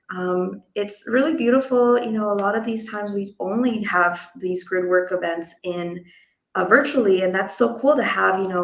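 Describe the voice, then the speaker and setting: Effusive woman with creaky voice, roomy sound. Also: mid-range voice, fairly bright tone. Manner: effusive, uses casual filler words like "like". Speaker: host and event organizer. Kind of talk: casual enthusiastic online interview.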